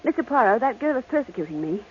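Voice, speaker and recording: A woman's voice: fairly high pitch, sing-song, fast. An actress playing a rich, imperious, anxious young married woman in old-time radio melodrama, with an emphatic, theatrical delivery. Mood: tense, composed. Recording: muffled, noisy old radio recording.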